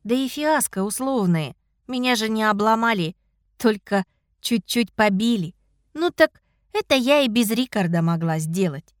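A woman narrates a first-person novel with wry, self-mocking energy, her voice sitting a little high. The sound is dry and close to the mic, with no room around it. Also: measured pace, no room sound. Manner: wry, lively, self-ironic. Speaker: audiobook narrator.

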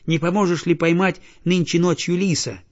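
A man's voice: high-pitched, normal speed, pitched above the performer's own voice, close to an everyday voice. A man doing a bold little boy. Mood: eager. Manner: lively, bold, sometimes hushed. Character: small brave clever boy traveller. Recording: dull lo-fi recording.

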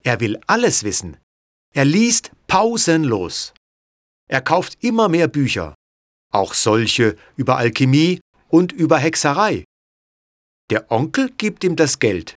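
Slow, lively-toned male narrator. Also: on the high side, dry recording, studio quality. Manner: clear, measured reading. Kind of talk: scripted audiobook narration.

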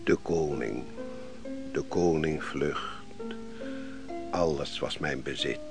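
A man's voice: a bass voice, takes it slowly, over music, exaggerated voice. An actor playing a brooding, defeated nobleman of an ancient kingdom in a radio play, speaking solemnly and with theatrical deliberation. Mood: despairing. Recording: noisy old radio play recording.

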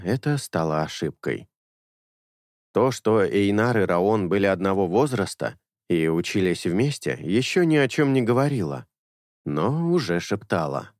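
A man narrating an audiobook in a measured storytelling manner. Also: fairly low pitch, a little mellow, no room sound, clean studio sound.

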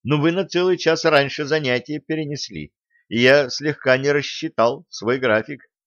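A man's voice: on the high side, normal speed, fairly bright tone, no room sound, muffled recording, voice pushed up, close to an everyday voice. A man voicing a sheepish young man, a martial arts student, who mumbles his apologies in a subdued way. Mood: apologetic.

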